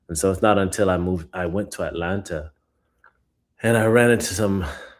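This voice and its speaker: Speaking at a fairly quick pace with an American accent, a man with a very deep, low pitch keeps his intonation fairly even on a very clean recording with a silent background. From US South, Alabama and Jamaica. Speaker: vegan bodybuilder and coach. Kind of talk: interview.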